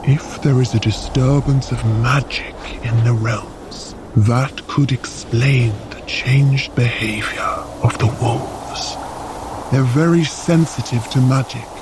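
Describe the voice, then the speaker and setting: A man plays a tall frost giant in a fantasy audio drama. He is proud and earnest, choosing formal words at a slow, measured pace. His voice sits at a middling pitch with clear outdoor noise behind it. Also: natural voice. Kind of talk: scripted audio drama acting.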